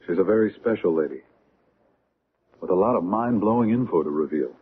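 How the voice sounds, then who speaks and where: Deep-voiced, earnest doctor in radio drama. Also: male voice, expressive, fairly quick. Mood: earnest, intrigued. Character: open-minded male doctor and UFO researcher, earnest, smooth-talking. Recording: muffled, noisy old radio recording.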